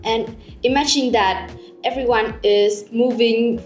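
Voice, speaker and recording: Brief: Vietnamese-accented woman, an exam candidate, speaks fast and eagerly, echoey room with faint music under her. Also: a little high, steady tone. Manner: fast, eager, halting grammar with fillers. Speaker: IELTS test candidate.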